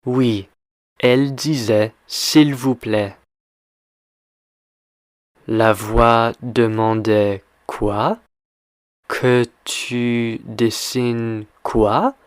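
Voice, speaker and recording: Male language teacher, extremely slow and deliberate, smooth resonant voice, dry close sound, drills questions. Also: mid-range voice, fairly even intonation, dry recording. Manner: deliberate, repeats and quizzes the listener. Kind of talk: slow question-and-answer reading lesson.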